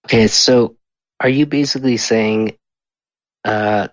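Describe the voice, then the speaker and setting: Halting low-voiced male interviewer. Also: steady tone, muffled recording. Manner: halting, stumbles over words. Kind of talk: casual interview.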